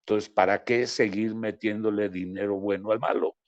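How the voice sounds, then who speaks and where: A Mexican journalist co-hosting a talk show, giving blunt opinions and quick quips. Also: male voice, lowish voice, fairly even intonation, no room sound, lo-fi sound. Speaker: journalist co-host. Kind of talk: casual talk show chat.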